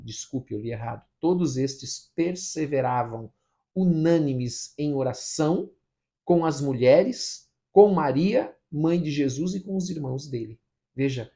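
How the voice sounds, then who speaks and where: A Brazilian pastor reading scripture and then leading a fervent morning prayer, full of repeated pleas. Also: male voice, medium pitch, gravelly, dark tone. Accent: Brazilian Portuguese.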